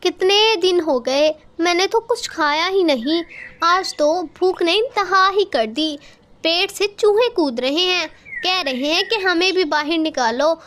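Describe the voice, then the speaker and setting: Cartoon villain: a woman doing a starving, sly female kite bird, very high, coaxing. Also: a bit bright, slight background noise, heavily acted.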